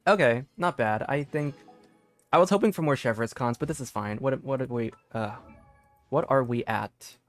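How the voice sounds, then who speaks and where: A young man doing casual live game commentary as a streamer, excitable and rambling, often repeating himself. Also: medium pitch, normal speed. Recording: dry close sound with game music.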